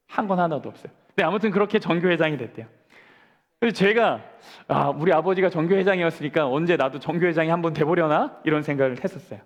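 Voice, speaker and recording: Lively pastor preaching in a reverberant church. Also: male voice, a little high. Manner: storytelling, asks the congregation questions and answers them. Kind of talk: sermon. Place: church sanctuary. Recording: long church-hall reverb.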